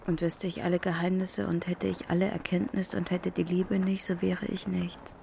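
A woman with a gravelly, creaky voice speaks an intimate first-person literary narration, talking straight to someone who is not there. She is recorded outdoors on a city street, with heavy traffic noise behind her. Her delivery turns loud and urgent in places. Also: fairly low pitch, little pitch movement, moderate pace. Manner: intimate, addressing an absent person directly.

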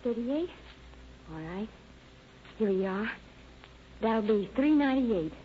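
A woman's voice: on the high side, expressive, slow pace. A woman playing a polite, anxious young American shopgirl in a 1930s radio crime drama. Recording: dull, noisy old radio recording.

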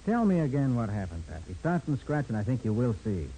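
A man acting a sharp, skeptical master detective in a 1940s radio crime drama, with brisk, probing questions. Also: medium pitch, sing-song, lightly acted. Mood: skeptical, insistent. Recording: noisy vintage 1940s radio recording.

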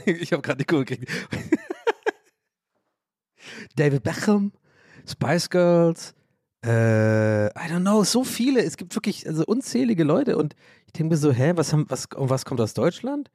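A man's voice: on the high side, big pitch swings, normal speed, warm tone, no room sound, clean studio sound. Rambling, joking man hosting a podcast. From Ireland. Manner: rambling, joking, self-mocking, swears casually. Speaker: podcast host. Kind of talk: casual rambling monologue.

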